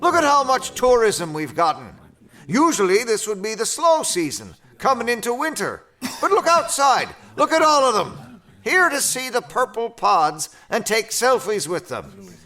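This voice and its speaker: An actor playing a brash, dismissive small-town tourism booster in an audio drama, speaking emphatically. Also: male voice, very high-pitched, big pitch swings, a little slow, pushed and bright, heavily acted. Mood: excited, insistent.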